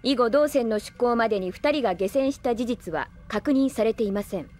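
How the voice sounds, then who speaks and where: A woman playing an emotionless female android in an anime audio drama, speaking in formal, precise, deadpan reports. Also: on the high side, normal speed, close to an everyday voice. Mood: detached.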